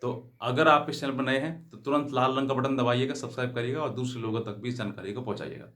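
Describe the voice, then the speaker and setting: A man's voice: mid-range voice, fairly even intonation, fast, fairly bright tone. A man giving an explanatory legal advice talk to viewers, often rephrasing himself and glossing English terms in Hindi. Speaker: legal advice channel host.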